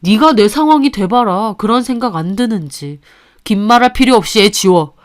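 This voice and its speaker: A woman's voice: medium pitch, expressive, normal speed, close to an everyday voice. A woman voicing an angry, suspicious young husband in a radio-style story, talking in an accusing, sneering way. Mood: hostile. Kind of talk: Korean radio-story dialogue.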